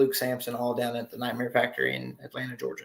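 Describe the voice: A man at medium pitch talks with a Southern US accent. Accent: Southern country.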